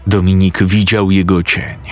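A man narrating a scripted horror story in a steady, suspenseful way. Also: deep voice, measured pace. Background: faint music.

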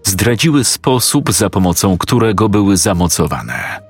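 A man narrating a scripted story in a steady, matter-of-fact way. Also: fairly low pitch, a little slow, husky, soft background music.

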